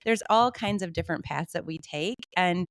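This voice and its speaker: A woman's voice: on the low side, normal speed, dry recording. A woman in her forties from Michigan hosting an interview podcast, upbeat and gushing, with frequent laughs. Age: 40s. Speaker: podcast host. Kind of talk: warm interview chat.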